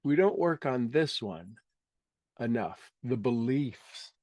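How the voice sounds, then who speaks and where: A man's voice: mid-range voice, expressive, slow pace, darkish tone, dry recording, studio quality. Emphatic man leading a live workshop. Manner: emphatic, repeats key words, casual asides. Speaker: motivational workshop speaker. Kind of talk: live seminar teaching to an audience.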